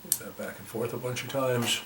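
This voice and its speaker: Low voice guy fixing stuff, thinking out loud kinda halting, echoey recording w/ clear background noise. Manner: halting, thinking aloud while working. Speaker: volunteer repair technician. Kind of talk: casual hands-on repair demonstration. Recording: roomy, noisy, distant microphone.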